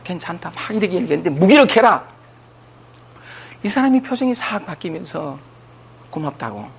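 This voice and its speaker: A man with a Gyeongsang accent giving an animated spiritual lecture, speaking straight to his listeners. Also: high-pitched, husky. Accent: Gyeongsang Korean. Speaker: lecturer on scriptures.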